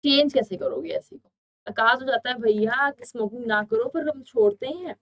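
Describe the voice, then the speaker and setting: Young Indian woman teacher, higher voice, quizzes the class with questions and answers them herself. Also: expressive, fairly bright tone, low-quality recording. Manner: reads English sentences out slowly. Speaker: English teacher. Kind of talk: online exam-prep lesson.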